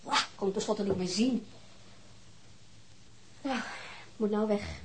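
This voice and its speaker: A woman's voice: medium pitch, measured pace, background noise, lightly acted. An actress playing a weary, defensive divorced mother, answering questions hesitantly in a naturalistic radio drama. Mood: bitter.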